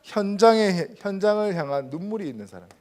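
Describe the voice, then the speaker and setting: A man's voice: high voice, animated, brisk, a little mellow. A man pastor preaching a Sunday sermon, asking the congregation rhetorical questions and stressing points with emphasis. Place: church sanctuary.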